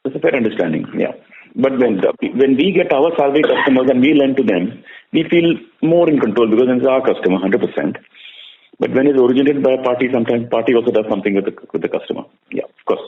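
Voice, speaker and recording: A man's voice: medium pitch, expressive, fast. A man with an Indian accent answering analysts on an earnings call as a bank executive, talking conversationally and emphatically, often repeating his words. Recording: muffled narrow-band conference call audio.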